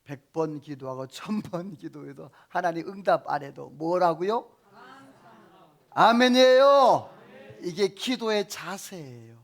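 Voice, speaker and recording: A man preaches from the pulpit in a high voice. He keeps tossing questions to the congregation and waiting for them to answer back. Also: expressive, moderate pace, vocal fry, hardly any pauses. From South Korea. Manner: call-and-response preaching, quizzing the congregation. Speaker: senior pastor. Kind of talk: sermon.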